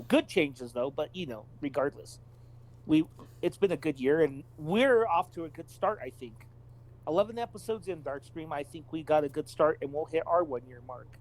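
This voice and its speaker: A man's voice: fairly high pitch, poor audio. A man co-hosting a podcast in a casual, conversational style. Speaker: podcast co-host. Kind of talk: casual chat.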